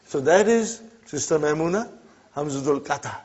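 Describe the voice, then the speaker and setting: Man, language teacher, fairly high voice, keeps checking in with the class, muffled classroom recording. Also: animated, moderate pace, darkish tone. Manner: checks in often with "huh?" and "brothers and sisters". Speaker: Arabic teacher. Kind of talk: classroom grammar lesson.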